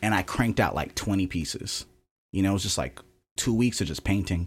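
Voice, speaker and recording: On a very clean recording with a silent background, a man speaks at a fairly quick pace and a fairly low pitch. He has an unremarkable speaking voice with ordinary pitch variation. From born in Kenya, Rwandan family, raised in US. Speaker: artist and political activist. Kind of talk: casual interview chat.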